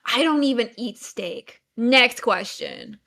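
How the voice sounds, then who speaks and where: A woman with a fairly high, bright and forceful voice. She co-hosts casually, teasing and profane, quick to snap back. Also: lively intonation. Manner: teasing, profane, sharp-tongued. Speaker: livestream co-host. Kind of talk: casual chat.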